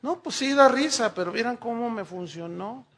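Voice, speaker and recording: A middle-aged man, preaching a sermon and telling lively stories while speaking directly to the congregation. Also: extremely high pitch, moderate pace. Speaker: pastor.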